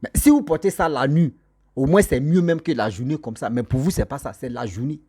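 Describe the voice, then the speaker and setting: A social commentator with a dark, husky, mid-range voice delivers a moralizing monologue to camera, a little fast. He addresses viewers directly, scolding them and repeating his points.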